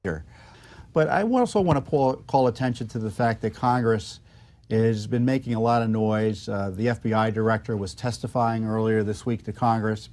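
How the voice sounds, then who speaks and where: A man with an American accent speaking off the cuff as a political commentator, measured and halting, making pointed arguments. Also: on the low side, darkish tone.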